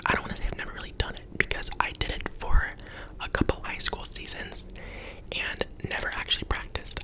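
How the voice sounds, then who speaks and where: An eighteen-year-old man whispering a casual ASMR question-and-answer session from his bedroom, rambling with lots of "um" and "like". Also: poor audio. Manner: rambling, chatty, full of "um" and "like". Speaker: ASMR creator.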